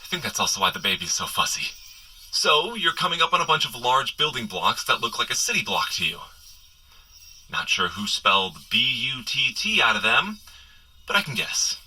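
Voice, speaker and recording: Bright, animated, bumbling superhero. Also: male voice, mid-range voice, normal speed, breathy edge, exaggerated voice, poor audio. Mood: wry, cautioning. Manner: rambling, sheepish, nervously joking asides. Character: flustered, wisecracking, bumbling male superhero coaching a runner. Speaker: character guide in an audio running adventure. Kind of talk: comedic audio drama monologue.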